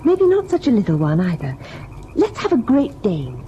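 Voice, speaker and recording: A woman's voice: on the high side, huge pitch swings, moderate pace, dark tone. An actress playing a wistful, uneasy, girlish young wife in an old-time radio drama. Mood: wistful, playful. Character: uneasy, childlike young wife, affectionate and whimsical. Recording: muffled old radio recording, faint noise.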